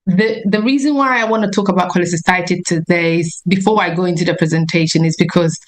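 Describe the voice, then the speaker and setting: Woman, nurse practitioner guest, low-ish voice, earnest explaining, informal health talk, video call audio. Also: fast, low-quality recording. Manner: earnest, explanatory, self-correcting.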